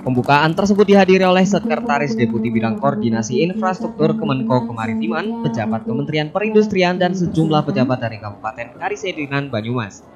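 Formal male news voice, slightly high. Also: quick pace, hardly any pauses, lo-fi sound. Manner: steady formal news delivery. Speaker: news presenter and reporter. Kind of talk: read news narration.

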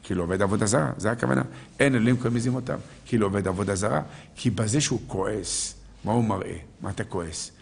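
A man's voice: on the low side, vocal fry, breathy edge. A man, a rabbi, giving a live sermon, posing rhetorical questions to his listeners and answering them, quoting verses and sages.

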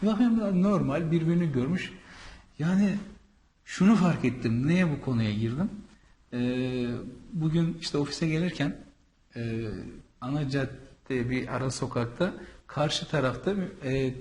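A man's voice: medium pitch, darkish tone. A man from the east of Anatolia talks through a casual vlog, chatty and rambling, with plenty of fillers and restarts. His voice sits in the middle range for a man. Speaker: visa and travel consultant.

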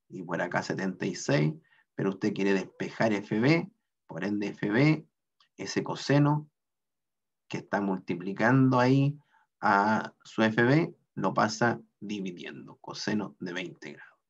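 A man's voice: lowish voice, expressive, measured pace, creaky, highs cut off. A man teaching a mechanics class online, working through equations step by step and often checking in with a questioning "ah?".

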